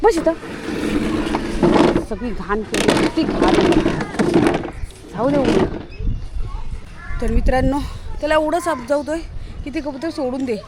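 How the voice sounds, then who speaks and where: A woman's voice: high-pitched, unhurried, pauses often, very noisy. A woman vlogging at home on a rooftop terrace, chatting to her viewers and coaxing her pets in a sing-song voice. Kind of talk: casual home vlog.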